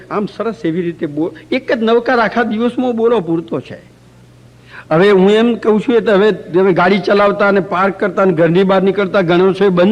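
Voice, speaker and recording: High-voiced man teaching a workshop. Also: highs cut off. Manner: storytelling, demonstrates chanting aloud; light humor with anecdotes. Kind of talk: lecture to a live group. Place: community center hall.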